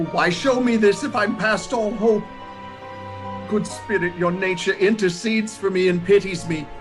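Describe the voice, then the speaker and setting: An actor playing an old miser, repentant and pleading, in theatrical, emotional radio drama style. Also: male voice, high-pitched, close to an everyday voice.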